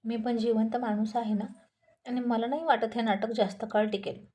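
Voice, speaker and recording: A woman voicing a witty, sharp-tongued young wife who teases her husband with playful retorts. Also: a little high, little pitch movement, moderate pace, natural voice.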